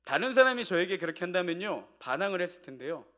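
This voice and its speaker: A male pastor preaches an evening sermon in church. His voice sits a little higher than most men's, and he tells a homely family story as though talking it over with the congregation. Now and then he throws rhetorical questions out to the pews. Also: sing-song, quick pace, bright, forceful tone.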